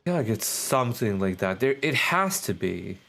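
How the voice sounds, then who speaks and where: A man's voice: lowish voice, sing-song, moderate pace, vocal fry, fairly bright tone, soft background music. Musing male streamer, casual and hesitant. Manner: musing, repeats phrases, hesitant. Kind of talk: casual gameplay commentary. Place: live stream with game audio behind.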